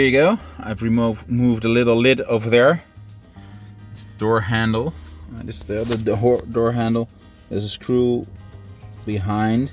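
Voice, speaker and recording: A man with a Dutch accent at medium pitch, moderate pace and ordinary pitch variation, with long, frequent pauses, big swings in loudness, and music in the background. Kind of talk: DIY car tutorial narration.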